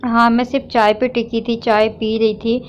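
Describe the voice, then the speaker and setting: A young woman chats through a casual cooking vlog in her kitchen, unwell and worn out, her voice fairly high and held flat. The home recording sounds dull and lo-fi, with faint ambience behind her. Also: moderate pace, slight background noise. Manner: talks to viewers while doing chores, then vents against trolls. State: unwell and weak, neck pain. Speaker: village vlogger.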